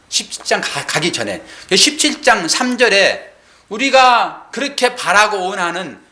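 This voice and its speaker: A man speaks in a raised, projected voice at a fairly slow pace. Noticeable background noise and audible room echo fill the recording. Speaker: pastor. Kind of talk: sermon. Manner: conversational, asks audience questions.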